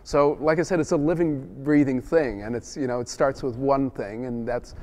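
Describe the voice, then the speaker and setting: Middle-aged dutch-born guy rambling through interview answers, lots of restarts, medium pitched voice. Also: fairly even intonation, normal speed, darkish tone. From Netherlands. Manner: rambling, many restarts and "you know". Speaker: film director.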